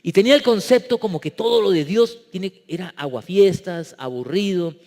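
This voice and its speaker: Pastor preaching in a reverberant hall. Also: male voice, high voice, lively intonation, moderate pace, a little mellow. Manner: humorous, mimics people in funny voices; asks the congregation rhetorical questions. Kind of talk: sermon. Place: church sanctuary. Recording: long reverb of a church hall.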